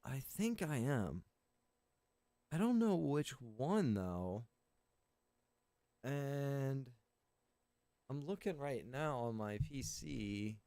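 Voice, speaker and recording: A man talks casually on a livestream in an average-pitched voice. His explanations ramble along informally, like someone organizing a game community. The sound is close and dry, with very little room. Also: very animated, very slow, pauses often, mellow, no room sound.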